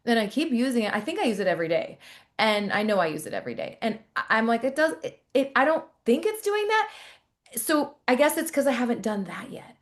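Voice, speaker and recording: A woman hosting a casual podcast interview, reacting quickly and eagerly to what her guest says. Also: on the high side. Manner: excitable, quick to react with surprise. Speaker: podcast host.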